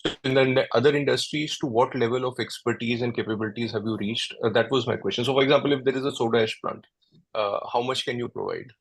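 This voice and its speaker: A man, an analyst asking halting, polite questions on a conference call. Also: mid-range voice, fairly even intonation, creaky, breathy edge, no room sound, low-quality recording. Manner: halting, polite, searching for words.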